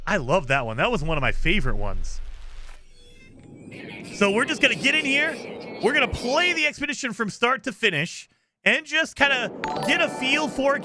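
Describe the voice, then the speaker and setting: A man's voice: high voice, sharp tone. A man streaming a game live, upbeat and chatty, thanking viewers by name and explaining the rules, his voice a little scratchy from days of streaming. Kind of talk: casual live-stream chat and gameplay commentary.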